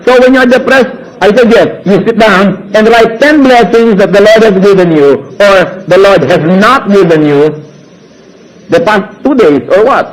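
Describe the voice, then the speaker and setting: A man's voice: high-pitched, animated, unhurried, rough recording. A Filipino man preaching a sermon, switching between Tagalog and English and acting out quoted prayers and complaints with rhetorical questions.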